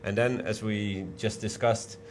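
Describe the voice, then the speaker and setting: A man from the Netherlands with a Dutch accent, explaining things as an interview guest in a halting, hesitant way. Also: lowish voice, steady tone, background noise. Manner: halting, frequent drawn-out hesitations.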